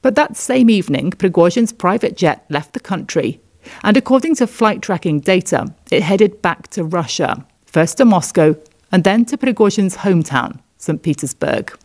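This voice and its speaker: Woman reporter filing a sober report, kinda low voice. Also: lively intonation, moderate pace, a little mellow. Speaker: correspondent. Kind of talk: news report.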